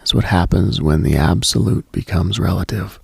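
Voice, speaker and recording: A man hosting late-night radio with a slow, reflective monologue, measured and contemplative with deliberate pauses. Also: deep voice, creaky, breathy edge, no room sound, studio quality.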